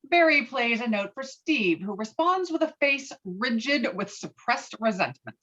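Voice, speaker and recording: Bright, lively woman reading stage directions. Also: fairly high pitch, unhurried. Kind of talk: scripted narration. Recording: dull lo-fi call audio.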